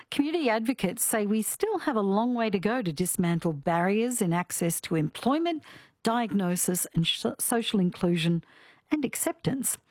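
Brief: female radio host, studio mic, animated pitch, dry close sound. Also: dry recording. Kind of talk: scripted radio introduction. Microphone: studio microphone.

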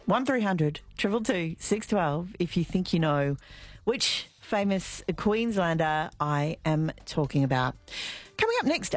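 A middle-aged woman with an Australian accent hosting live radio, chatty and relaxed, with frequent fillers. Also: on the low side, gravelly, dry recording, studio quality. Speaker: radio host. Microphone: studio microphone.

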